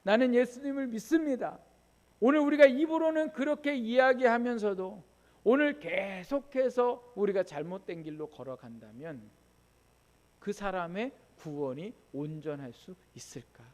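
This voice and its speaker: A man's voice: high voice, moderate pace, a little mellow. A male pastor preaching a sermon in a conversational way, asking the congregation rhetorical questions and telling personal stories. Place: church sanctuary. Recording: church hall with long reverb.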